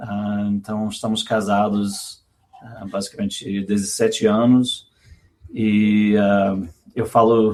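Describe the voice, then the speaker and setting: A man's fairly low voice, very slow and monotone with flat intonation. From USA, moved around (military family). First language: English (speaking Portuguese). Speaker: biblical scholar. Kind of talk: interview. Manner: hesitant, many fillers.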